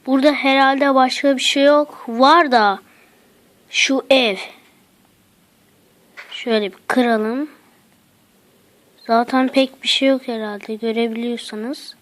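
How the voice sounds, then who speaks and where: A woman's voice: high-pitched, fairly even intonation, slow pace, long pauses, a bit bright. A woman giving let's play commentary as she explores a game map, exclaiming, muttering to herself and using slang. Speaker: gaming channel host.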